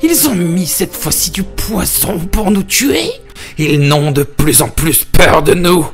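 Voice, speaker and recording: A man voicing a cocky, mischievous young pig in a cartoon fable, talking in excitable, bragging slang. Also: fairly high pitch, slow pace, soft background music, pitched above the performer's own voice. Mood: defiant.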